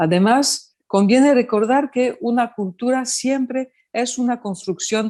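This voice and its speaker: Very slow, lively-intoned speech from a woman with a French accent and a dark, mellow tone. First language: French (speaking Spanish). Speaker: anthropologist, lecturer. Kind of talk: lecture. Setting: remote talk, from a Greek island.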